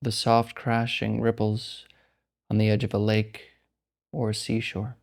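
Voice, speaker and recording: A man leading a guided meditation as a teacher, speaking calmly and unhurriedly with long pauses. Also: on the low side, gravelly.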